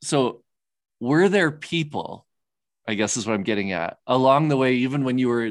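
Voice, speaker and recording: In a normal speaking voice, a man talks at medium pitch and a moderate pace against a quiet background. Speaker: pastor and podcast host. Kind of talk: casual interview chat. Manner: laughs often, warm and conversational.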